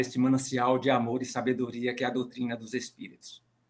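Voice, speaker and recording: A normal speaking voice at a fairly quick pace. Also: man. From Bahia, Brazil (interior). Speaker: spiritist speaker, actor and poet. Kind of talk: religious study discussion. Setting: video call livestream.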